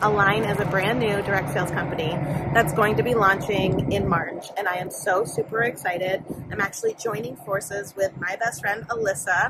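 A woman's voice with ordinary pitch variation, dry and echo-free, over loud background noise. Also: moderate pace. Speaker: product reviewer, direct sales seller. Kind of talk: casual vlog chat. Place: boat. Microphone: phone near.

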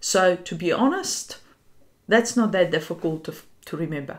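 A non-native accent, ordinary pitch variation, and a quiet background. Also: woman. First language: not English. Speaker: surgeon and software tutorial creator. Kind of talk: tutorial. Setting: screen recording. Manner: explanatory, with occasional hesitations. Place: home room.

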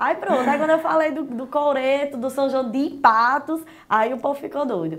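A woman with a strong northeastern Brazilian accent speaks in an animated tone at a high pitch, with ordinary pitch variation and a moderate pace. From Paraíba sertão, Brazil (Solânea); Paraíba, Brazil. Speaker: comedian youtuber; interview guest, comedian. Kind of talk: TV interview. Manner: loud. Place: studio.

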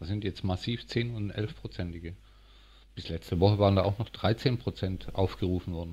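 On a very clean recording with a silent background, a man speaks with a very deep, low pitch, a dark, mellow tone, a somewhat breathy quality and ordinary pitch variation. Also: moderate pace. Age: 50s. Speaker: self-employed restaurateur and private investor. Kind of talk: casual interview.

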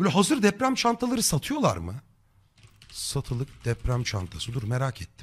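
Somewhat breathy and animated, a fairly high-pitched man moves at a moderate pace with very wide pitch swings and big jumps in loudness. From Turkey. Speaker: streamer. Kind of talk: live stream reaction commentary. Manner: casual, animated. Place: home room. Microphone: studio mic.

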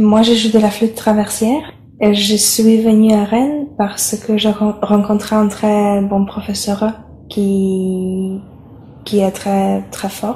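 Against noticeable background noise, a woman with a Polish accent speaks very slowly at a medium pitch in a monotone, flat delivery. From Poland. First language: Polish (speaking French). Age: 20s. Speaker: music student. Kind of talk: interview answers. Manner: halting.

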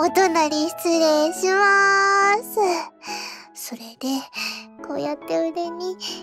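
A soft-spoken woman with a gentle tone and extremely high pitch, ordinary pitch variation, big swings in loudness, very slow pace and long, frequent pauses, in a dry sound with no echo and clear music in the background. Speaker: virtual character voice. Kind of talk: ASMR whisper voice, intimate close-mic roleplay. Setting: binaural microphone recording. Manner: soft, gentle, intimate, cozy. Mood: warm, playful, cozy. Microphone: studio mic.

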